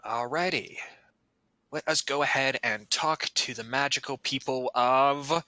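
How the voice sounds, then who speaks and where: Bright-voiced man running a tabletop game. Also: medium pitch, a little slow, no echo, low-quality recording. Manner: casual, joking, swears freely. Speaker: game master.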